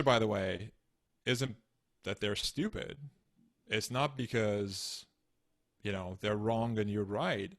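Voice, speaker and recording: A man in his thirties from Turkey, explaining ideas in measured, earnest interview answers over a video call. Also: mid-range voice, a bit bright. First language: Turkish. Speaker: guest author. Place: home room, indoors. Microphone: studio mic on stand, video call.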